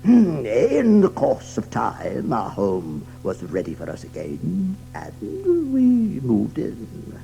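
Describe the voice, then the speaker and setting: A man's voice: medium pitch, huge pitch swings, slow pace, gravelly, few pauses, dark tone, faint music behind, full character voice. An actor playing a hospitable older male badger in a children's audio drama, chuckling, hesitating and repeating his words. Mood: reflective, storytelling.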